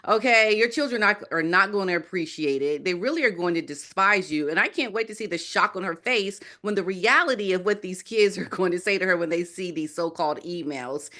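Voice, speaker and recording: A woman's voice: on the low side, expressive, brisk, few pauses, pushed and bright. A middle-aged woman who is a guest on a talk show, speaking bluntly and scornfully. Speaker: guest commentator.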